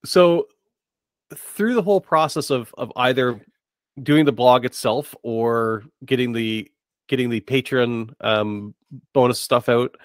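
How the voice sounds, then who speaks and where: A man with a medium-pitched voice hosts a casual interview. He is chatty and teasing, and repeats the starts of his phrases as he goes. The recording is close and dry, free of room echo. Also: takes it slowly. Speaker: podcast host, interviewer.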